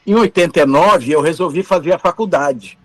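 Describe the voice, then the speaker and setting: A man's voice: on the high side, normal speed, fairly bright tone. A man in his fifties from Brazil, a former TV camera operator, telling anecdotes in an interview and acting out the dialogue. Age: 50s. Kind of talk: storytelling interview.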